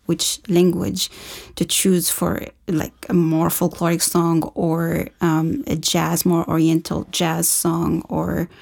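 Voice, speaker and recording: A woman from Morocco speaks as a guest singer in an interview. Her voice sits a little low and carries plenty of gravel. She reflects earnestly and searches for her words. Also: a little mellow. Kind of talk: interview answers.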